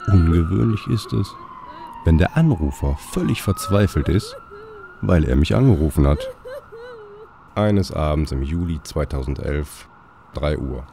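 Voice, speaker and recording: A man's voice: extremely low pitch, sing-song, unhurried, gravelly, long pauses, warm tone, a little hiss or hum. A man narrating a radio drama and playing a police dispatcher, with dry, sarcastic remarks.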